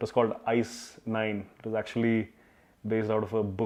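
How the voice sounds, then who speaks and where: A man with an Indian accent speaks at a medium pitch. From India, Mysore. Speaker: rock and metal vocalist. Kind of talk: casual chat. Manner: halting.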